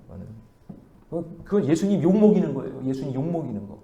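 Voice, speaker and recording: A male pastor preaching an animated sermon, telling stories and throwing questions to the congregation. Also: fairly high pitch, fast, creaky, lo-fi sound. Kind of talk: sermon at a Friday prayer meeting. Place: church sanctuary. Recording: echoey church hall.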